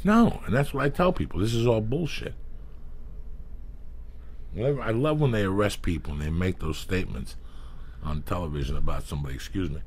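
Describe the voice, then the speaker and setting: A middle-aged man hosting a podcast, telling animated, profane stories from his past in a small studio on a studio mic. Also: deep voice, fairly quick, pauses often, a little hiss or hum. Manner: profane, animated storyteller who acts out quotes. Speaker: podcast host. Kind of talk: casual storytelling chat. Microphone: studio mic with headphones.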